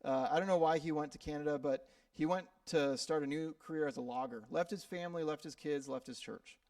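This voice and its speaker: Brief: male pastor from Minnesota, slightly higher voice, conversational sermon delivery, dry sound with the mic set back from him. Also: brisk, a little mellow, dry recording, recorded from a distance. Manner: conversational preaching with frequent fillers and repeated words. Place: church sanctuary.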